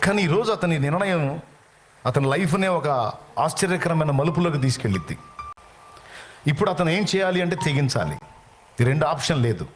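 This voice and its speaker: A man's voice: fairly high pitch, lively intonation, brisk, pauses often. A male pastor delivering a dramatic sermon, telling a story and putting questions to the audience. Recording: music playing behind.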